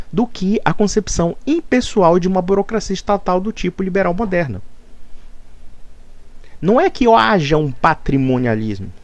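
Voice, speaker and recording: Man, fairly high voice, lively lecturing rebuttal, dry close sound. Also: dry recording. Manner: argumentative, lecturing. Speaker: commentator. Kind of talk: monologue rebuttal.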